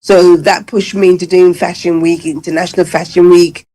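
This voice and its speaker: A warm-toned, lowish voice with flat delivery at normal speed belongs to a woman in her fifties, originally from Ghana. She owns a salon and is a guest on a casual radio interview, telling her story at length with many fillers.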